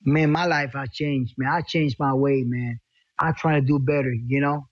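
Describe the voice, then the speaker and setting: A man in his fifties from Cuba, speaking haltingly in a recorded interview, often adding "you know" and "man". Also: mid-range voice, fairly even intonation, no room sound, lo-fi sound. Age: 50s.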